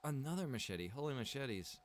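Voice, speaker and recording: A man's voice: medium pitch, animated, brisk. A man giving casual, chatty commentary while he plays a game, thinking aloud in a laid-back way. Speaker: game streamer. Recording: clear background noise.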